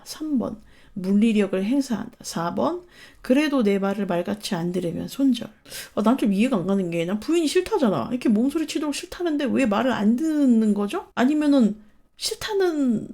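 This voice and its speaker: A woman's voice: a little high, warm tone. A woman hosting an advice channel, talking in a blunt, emphatic and profane way in a casual chat.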